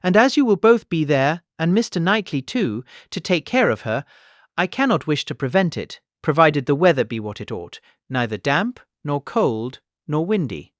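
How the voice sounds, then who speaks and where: An actor playing a fretful, gentle elderly gentleman, fussy and plaintive, in a period comedy audiobook. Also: fairly high pitch, sing-song, moderate pace, no echo, clean studio sound. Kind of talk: audiobook character acting, period comedy of manners.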